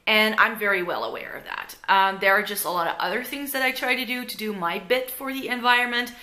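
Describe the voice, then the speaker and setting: This young Dutch beauty vlogger has a mid-range voice with a sharp tone, talking a little fast. She chats loosely to the camera in her living room, full of fillers, her Dutch accent carrying some American influence. A camera right in front records her at close range.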